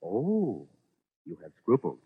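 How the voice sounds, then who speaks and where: An actor playing a shrewd, sardonic amateur sleuth with a probing, theatrical manner in a 1940s radio drama. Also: male voice, on the low side, wildly swooping pitch, slow, slightly rough, exaggerated voice. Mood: sardonic, pressing. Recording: muffled, tinny 1940s radio recording.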